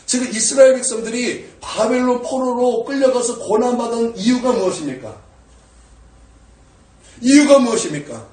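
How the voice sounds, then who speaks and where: A male pastor preaching a sermon, swinging from shouted prayers down to quiet, low asides. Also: animated, moderate pace, reverberant, far from the mic. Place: church sanctuary.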